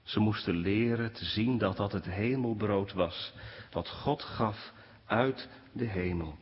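A man preaching a sermon to his congregation, speaking with animated swings in pitch. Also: slow pace. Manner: animated preaching, rising pitch when quoting complaints. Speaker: pastor. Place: church. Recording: dull sound with long church reverb.

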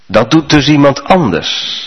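A man's voice: mid-range voice, big pitch swings, unhurried, breathy edge, dull audio. A male preacher delivering a storytelling sermon to his congregation in a church. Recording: reverberant church hall.

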